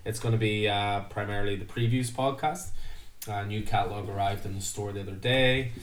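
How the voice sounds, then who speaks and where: A man's voice: lowish voice, steady tone, a little fast, slight background noise. A man hosting a casual podcast chat, rambling and chatty with filler words. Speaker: podcast host, comic shop staff. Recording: roomy, distant mic.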